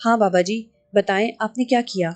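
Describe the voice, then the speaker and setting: A proud, vengeful wealthy woman, voiced by a woman narrator in an audio novel, giving orders and pressing for answers. Her voice is mellow and dark over faint background music. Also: medium pitch, natural voice. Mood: haughty. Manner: imperious, demanding. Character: haughty rich woman in her forties, vengeful and impatient.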